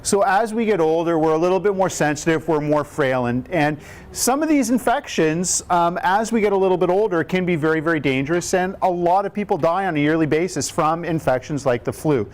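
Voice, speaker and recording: A man's voice: lively intonation, brisk. Upbeat man hosting a health Q&A. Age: 50s. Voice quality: booming voice. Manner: upbeat, conversational, explains plainly with rhetorical questions. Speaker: cardiac rehab educator. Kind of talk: live Q&A talk to a group.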